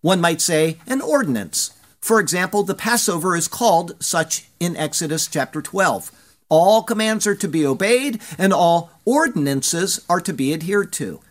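A man preaching a verse-by-verse Bible sermon, reading scripture quotes with measured emphasis. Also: sits high, animated.

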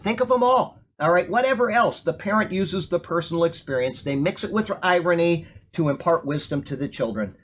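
Man, fifties, pastor, slightly high voice, chatty sermon, keeps asking okay. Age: 50s.

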